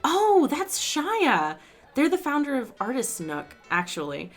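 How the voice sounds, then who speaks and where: A woman's voice: high-pitched, wildly swooping pitch, measured pace, faint music behind, heavily acted. A woman playing a teasing, pushy, upbeat best friend in a fiction podcast, talking casually and playfully. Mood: matter-of-fact.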